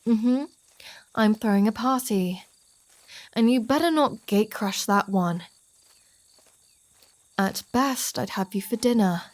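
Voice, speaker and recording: Slow, teasing vampire woman, acted by a woman. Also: on the high side, dry recording. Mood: wry, playful. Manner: teasing, sardonic, sweary, drawling. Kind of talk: ASMR roleplay audio drama addressed to the listener.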